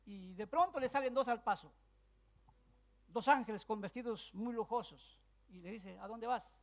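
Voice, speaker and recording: A man preaching a sermon, telling a story with loud bursts and then dropping to hushed asides. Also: very high-pitched.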